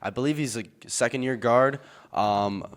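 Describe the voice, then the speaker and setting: A man's voice: medium pitch, normal speed, clear, resonant tone. A young man co-hosting a college sports podcast, playful and joking. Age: young adult. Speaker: co-host.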